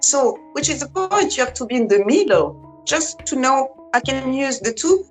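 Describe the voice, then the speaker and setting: A woman's voice: a little high, rough recording. French-accented woman explaining energy practice. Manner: earnest, searching for words in English. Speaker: holistic practitioner. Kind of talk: spiritual teaching conversation.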